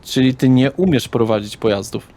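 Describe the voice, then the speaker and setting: A man's voice: medium pitch, moderate pace, warm tone. A man refereeing a tabletop role-playing game as game master, explaining things in a conversational way.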